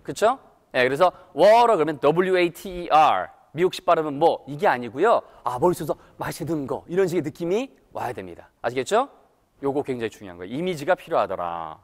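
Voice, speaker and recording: Male lecturer, high and lively pitch, playful crowd-coaxing delivery, reverberant hall sound. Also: a little fast. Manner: animated, playful, coaxes audience to repeat after him. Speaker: English lecturer. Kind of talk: lively public lecture to an audience.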